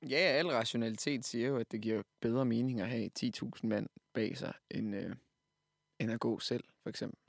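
A man reasoning through a book discussion, pausing often with fillers. His mid-range voice has a gravelly, creaky texture. It is recorded dry and close. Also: mid-range voice, dry recording. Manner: thoughtful, hesitant, many fillers.

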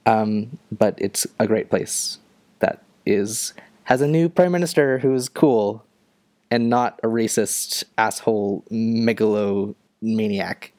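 A young man from Ontario co-hosting a podcast, chatting casually in a halting way with many fillers. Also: on the low side, darkish tone, dry recording. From Ontario, Canada. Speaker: podcast co-host. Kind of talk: casual chat.

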